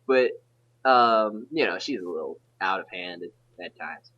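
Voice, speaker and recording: A teenage man hosting a casual podcast chat, rambling with halting restarts. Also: low-pitched, animated, bright, forceful tone, muffled recording. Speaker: podcast host.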